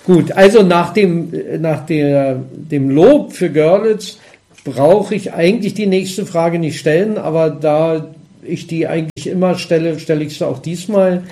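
A man interviewing a guest in a relaxed conversation, speaking in a thoughtful, measured way. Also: on the high side. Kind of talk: casual interview talk.

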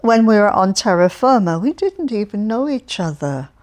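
A woman's voice: medium pitch, very animated, moderate pace, lightly acted. A woman reading an audiobook, voicing a cheerful, chatty elderly man who rambles and stumbles over his words. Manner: rambling, stumbling, relentlessly upbeat.

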